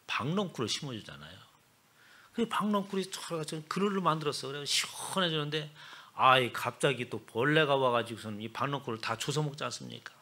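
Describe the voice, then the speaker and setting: A man preaching a sermon as pastor, retelling scripture dramatically and swinging between loud exclamations and hushed asides. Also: mid-range voice.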